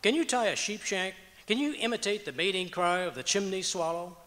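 A cranky, boastful comedy husband played by a man with a high, bright voice. He blusters in a folksy, argumentative way, as in old-time radio, from an echoey auditorium stage. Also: fairly quick, slight background noise. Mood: boastful, irritated.

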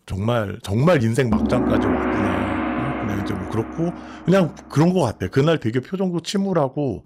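A middle-aged man, hoarse from a cold, telling stories to viewers in a blunt, chatty way into a studio mic. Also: mid-range voice, darkish tone. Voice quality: gravelly, husky. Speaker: channel host sharing prison life stories. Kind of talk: casual storytelling monologue. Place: small studio, indoors. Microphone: large studio mic on a stand.

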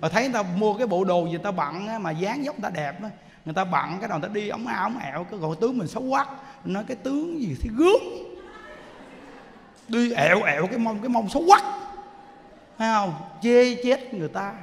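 A high-voiced man with a Southern Vietnamese accent gives an animated Buddhist sermon. He keeps checking in with his listeners through rhetorical questions, and his voice rings out in a long hall reverb. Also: quick pace, vocal fry. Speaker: Buddhist preacher.

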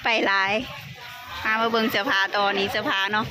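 A woman's voice: mid-range voice, flat delivery, a little fast. A woman with an Isan accent chatting casually to viewers as she shops, exclaiming and repeating her phrases. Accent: Isan (northeastern Thai). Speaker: shopping vlogger addressing viewers. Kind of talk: casual live vlog chat while shopping at a market. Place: busy market. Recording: noisy market ambience.

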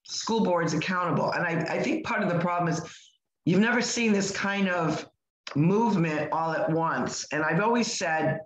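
An older woman with a hoarse voice co-hosting a live podcast, chatting in a rambling way with lots of restarts, over a video call from home. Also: fairly low pitch, moderate pace, roomy sound, low-quality recording. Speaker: podcast co-host. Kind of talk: casual live podcast chat.

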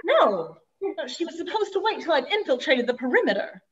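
An actress playing a bossy jewel thief disguised as a salesperson, with salesperson patter, over a video call. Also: female voice, high-pitched, very animated, a little fast, dull audio.

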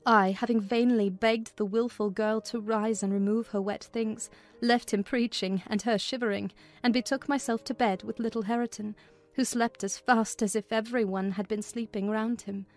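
A woman's voice: fairly high pitch, steady tone, normal speed. Woman narrating a classic novel over music. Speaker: audiobook narrator. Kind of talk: dramatized literary narration. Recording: music behind the voice.

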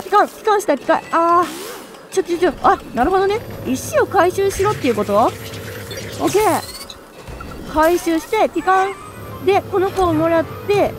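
Bubbly high-voiced woman streamer. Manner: excitable, chatty, quick exclamations. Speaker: let's play streamer. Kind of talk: live gameplay commentary.

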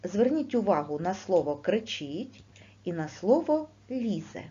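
A woman teaching a primary school lesson, speaking slowly and clearly with questions to the class. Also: medium pitch. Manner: slow, clear teacher's delivery with lively rising questions. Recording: dull lo-fi recording.

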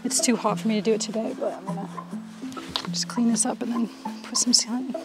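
A woman's voice: on the high side, steady tone, brisk, over loud music. A young woman talking casually and self-mockingly to her viewers while working on a camper, outdoors and inside it, into a clip-on mic. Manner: chatty, self-mocking, laughs often. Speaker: vlogger. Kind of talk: casual DIY vlog. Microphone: clip-on mic held to the mouth.

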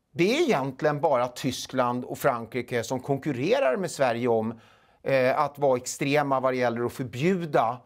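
Halting Swedish man, studio interview. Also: fairly high pitch. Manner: halting, many filler sounds. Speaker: guest. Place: small studio. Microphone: lapel mic.

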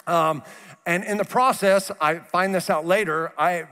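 A middle-aged male pastor preaching a sermon, conversational and animated, acting out the voices he quotes. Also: high-pitched, unhurried, clear, resonant tone. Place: large church hall. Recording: long hall reverb.

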